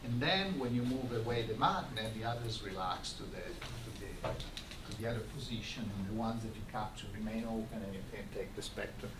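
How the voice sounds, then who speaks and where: Man lecturing in an echoey room, far off. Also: lowish voice. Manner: halting, explanatory delivery with repeated words. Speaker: visiting scientist giving a colloquium lecture. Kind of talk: academic lecture with slides. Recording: roomy, noisy lecture recording from far off.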